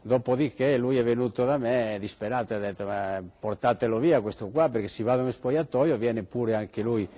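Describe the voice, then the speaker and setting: A man's voice: mid-range voice, moderate pace, hardly any pauses, mellow. A man, a football veteran, telling anecdotes from memory in an interview. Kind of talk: anecdotal reminiscence.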